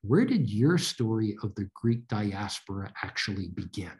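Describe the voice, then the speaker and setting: A man's voice: fairly low pitch, very animated, normal speed, a little mellow. An American man hosting an interview podcast, reading an introduction and asking questions with emphatic delivery. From United States. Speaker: podcast host.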